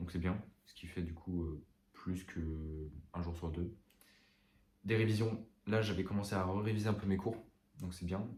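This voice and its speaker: Somewhat breathy and with fairly even intonation, the voice keeps a moderate pace broken by long, frequent pauses. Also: man, very deep, low pitch for a man. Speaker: vlogger. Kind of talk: casual monologue vlog.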